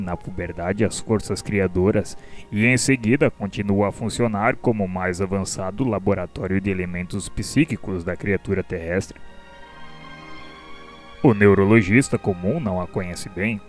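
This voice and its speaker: An actor playing a wise, generous spiritual mentor in a radio drama, lecturing formally and didactically with a Brazilian accent. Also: male voice, deep voice, moderate pace, faint music behind, close to an everyday voice. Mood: calm, instructive.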